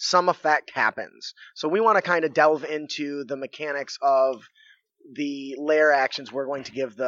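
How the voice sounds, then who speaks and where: A man's plain, everyday voice, fairly high in pitch, with ordinary pitch variation at a moderate pace, dry and close with no echo. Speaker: podcast host. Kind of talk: casual chat. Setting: live stage with audience.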